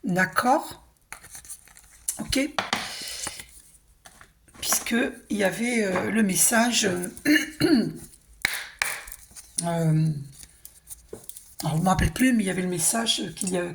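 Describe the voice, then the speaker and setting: A hoarse woman giving a casual, reassuring spiritual card reading, often clearing her throat and asking "d'accord?". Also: mid-range voice, noisy background. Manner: chatty, reassuring, tag questions like hein and d'accord. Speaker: tarot and oracle card reader.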